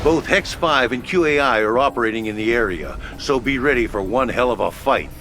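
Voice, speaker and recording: An actor playing a gruff military headquarters officer who gives brisk, blunt orders over the radio. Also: male voice, medium pitch, expressive, slight background noise. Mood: commanding. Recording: game cutscene with loud music behind.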